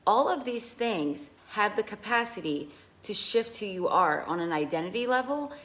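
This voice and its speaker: A slightly raspy woman giving an earnest coaching talk on a live video, asking her listeners questions. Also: mid-range voice, expressive, normal speed, fairly bright tone. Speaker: money mindset coach. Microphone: phone held in hand.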